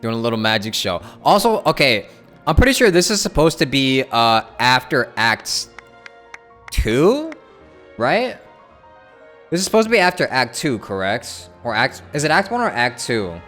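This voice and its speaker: A man's voice: medium pitch, big pitch swings, normal speed, fairly bright tone. A man giving casual live commentary on a game as a streamer, with blunt, slangy reactions. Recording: faint game music behind. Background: faint game music.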